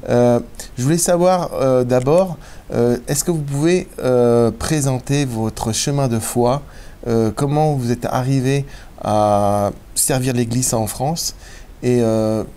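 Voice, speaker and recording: A man's voice: mid-range voice, slow pace, warm tone, clean tone. Man hosting a TV interview. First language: Slovenian. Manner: hesitant, many fillers in French. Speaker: TV host and interviewer. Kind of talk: scripted introduction then interview.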